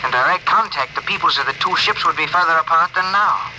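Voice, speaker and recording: An actor playing a gentle alien ship's communicator who speaks in stiff, oddly formal phrases, in a 1950s radio drama. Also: male voice, on the high side, quick pace, close to an everyday voice. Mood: solemn. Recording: hissy old radio broadcast.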